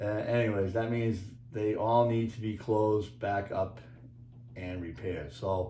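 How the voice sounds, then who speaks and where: Speaking at a moderate pace with a Boston accent, a man is heard with audible room echo. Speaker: YouTuber presenting alternative history theories. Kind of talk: casual monologue over slides. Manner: halting, many fillers; casual.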